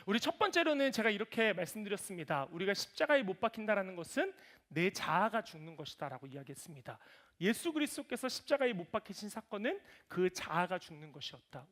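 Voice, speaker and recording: High-voiced, animated young preacher. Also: male voice. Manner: animated storytelling, voices his toddler and himself. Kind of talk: sermon. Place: church sanctuary.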